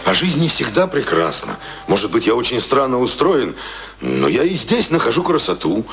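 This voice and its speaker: An actor playing an idealistic, stubborn young ex-sailor turned writer in a Russian radio play, speaking in an impassioned manner. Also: male voice, mid-range voice, huge pitch swings, normal speed, gravelly, a bit bright, slight background noise, full character voice. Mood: earnest. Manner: impassioned, swings from tender to vehement. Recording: music behind, studio radio play.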